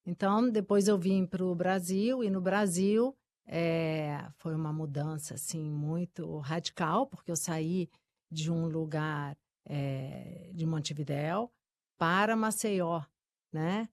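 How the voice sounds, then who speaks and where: A woman from Uruguay whose first language is Spanish, a guest in an interview, speaking with many pauses and fillers. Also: on the low side, no echo, studio quality. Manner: slow, hesitant, many fillers like "né" and "eh". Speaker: guest author and psychoanalyst. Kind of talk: conversational interview.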